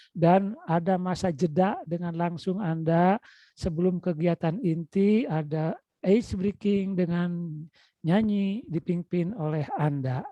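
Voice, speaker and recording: A lecturer whose voice sits high, recorded dry, runs an online class in a Sundanese-influenced Indonesian accent. He coaxes his students and calls out to them repeatedly. The audio comes from a video call and sounds dull and lo-fi.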